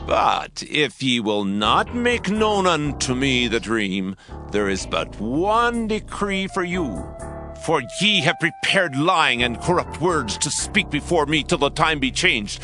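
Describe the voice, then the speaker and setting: A man's voice: a little high, big pitch swings, takes it slowly. An actor playing a proud, threatening king in a dramatized scripture reading, declaiming imperiously, with music behind him. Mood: angry, suspicious.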